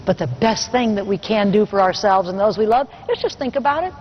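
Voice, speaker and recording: A woman's voice: mid-range voice, animated, brisk, highs cut off, a little hiss or hum. A woman giving a motivational keynote speech, telling earnest personal stories and asking the audience rhetorical questions. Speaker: motivational speaker.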